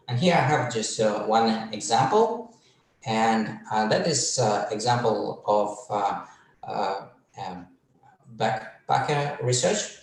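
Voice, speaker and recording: Russian-born man giving an academic talk. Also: lowish voice. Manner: measured, many filler pauses. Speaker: webinar speaker on tourism research. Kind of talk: academic presentation. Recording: echoey room, far from mic.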